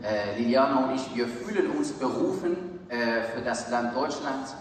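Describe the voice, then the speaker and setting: Halting preacher in a booming hall. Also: male voice, expressive. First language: Farsi. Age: 30s. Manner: halting, searching for words, earnest. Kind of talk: sermon. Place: large church hall. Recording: echoey church hall from far off, faint hiss.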